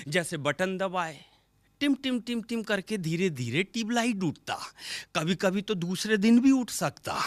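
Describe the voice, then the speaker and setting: A man performs stand-up comedy in a flavour, his fairly high voice leaping around in pitch. He acts out each character and stretches verse lines into a sing-song chant. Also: no echo. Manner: animated, acts out quoted characters with sudden pitch jumps. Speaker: stand-up comic poet. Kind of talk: stage comedy storytelling.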